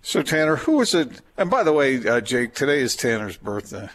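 A male radio host with an everyday mid-range voice. He asks his questions in a joking, lively way. He keeps the sports chat casual. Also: mid-range voice, moderate pace.

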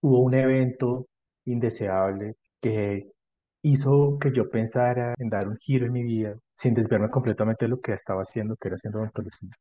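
A man with a Colombian accent, a dentist answering conversationally as an interview guest, explaining things in a measured way. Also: medium pitch, fairly even intonation, warm tone, dry recording. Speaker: podcast guest, dentist specialised in prosthodontics and implants.

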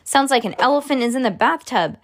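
A woman's voice: high voice, expressive, fairly quick, voice pushed up. A woman reading a storybook as an exasperated father, firm and scolding with his children.

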